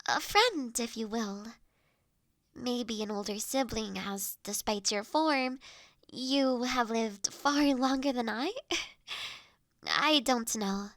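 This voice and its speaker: A woman acts out a gentle young lady of the manor in an intimate roleplay audio drama. Her voice is high and she takes her time over formal, measured phrases, earnest and caring. The sound is close and very dry. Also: dry recording. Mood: playful, composed.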